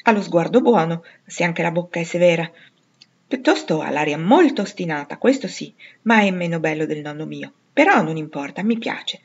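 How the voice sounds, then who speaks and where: A woman reading the part of a frank, lively teenage girl in a storybook, talking eagerly and outspokenly. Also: lowish voice, normal speed, slightly rough, dull audio.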